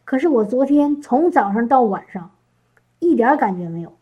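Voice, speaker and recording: A woman's voice: a little high, sing-song, normal speed, highs cut off. A woman giving an emotional spoken testimony to a congregation, often repeating herself and asking listeners questions. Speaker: church speaker. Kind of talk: testimony sermon.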